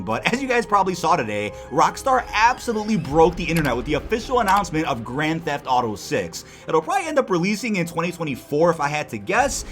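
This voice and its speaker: A man with a slightly high, somewhat bright voice delivers gaming news commentary that sounds scripted. He speaks emphatically, addressing his viewers directly to camera.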